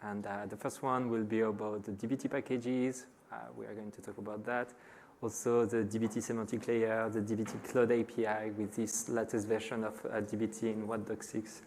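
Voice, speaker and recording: A middle-aged man from France with a French accent, giving a conference talk to a live audience and pausing often on filler sounds. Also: lowish voice, little pitch movement, darkish tone, a little hiss or hum. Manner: frequent hesitations with many "uh" fillers. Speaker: conference speaker.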